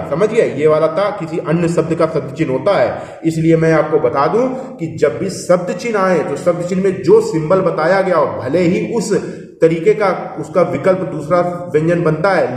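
A man's voice: a little high, a little mellow. A man teaching a shorthand class, explaining step by step and often checking that the students follow. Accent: Hindi. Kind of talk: classroom instruction. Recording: echoey room, voice from far off.

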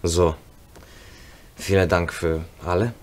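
A young man from Croatia with a Croatian accent, a touring bass player giving a grateful, halting greeting to fans from a backstage room. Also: fairly even intonation, a little hiss or hum. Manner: grateful, halting, searching for words. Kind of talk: casual video greeting to fans.

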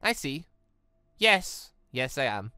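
A man voicing a sly, calculating young villainess in a deliberate, condescending way. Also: medium pitch, very animated, pushed and bright, clear, resonant tone, no echo, studio quality, faint music behind, pitched below the performer's own voice, full character voice. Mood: smug, calculating.

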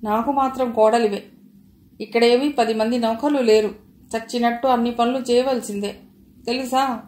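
Woman putting on a shrill scolding mother-in-law. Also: fairly even intonation, normal speed, echoey room, lightly acted. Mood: scornful, angry. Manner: scolding, contemptuous, shouting. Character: domineering harsh older mother-in-law.

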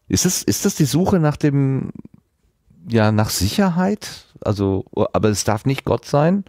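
A man's voice: medium pitch, very animated, takes it slowly, a little mellow, dry recording, clean studio sound. A man interviewing a podcast guest in a conversational way, reflective and thinking aloud as he frames his questions.

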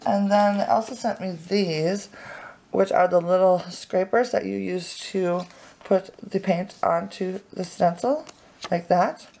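A woman vlogger chatting excitedly at home as she unboxes craft supplies, with lots of fillers. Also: mid-range voice, creaky. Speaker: family vlogger. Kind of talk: casual unboxing chat. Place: home, indoors at a table.

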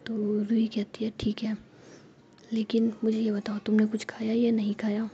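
A woman telling a story in a soft unvoiced whisper, acting out quick lines of dialogue between characters. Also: a little high, monotone, slight background noise. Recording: dull lo-fi sound.

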